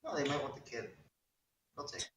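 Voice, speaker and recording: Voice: medium pitch, very animated, fairly quick, a bit bright. A tabletop game player on a glitchy call whose voice keeps cutting in and out, talking in a pushy, scheming way. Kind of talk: casual in-character tabletop play. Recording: distant, echoey, noisy call line with clicks.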